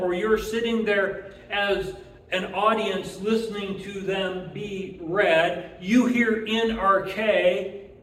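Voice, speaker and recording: A man's voice: high voice, a bit bright, slight background noise. Male preacher, earnest sermon delivery; recorded from a distance in a roomy, echoing space. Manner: earnest, repeats words when restarting, draws out key phrases.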